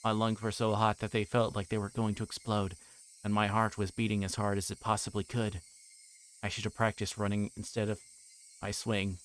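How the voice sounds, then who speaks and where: A man's voice: lowish voice, little pitch movement, moderate pace. A man livestreaming a visual novel, reading first-person narration in a dramatic storytelling style.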